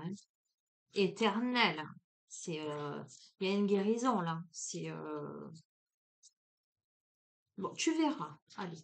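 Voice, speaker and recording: Chatty woman with a Marseille accent. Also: mid-range voice. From Marseille, France. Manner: chatty and familiar, speaks straight to the viewer, peppers lines with "hein". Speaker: tarot card reader. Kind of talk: casual spoken card reading to viewers.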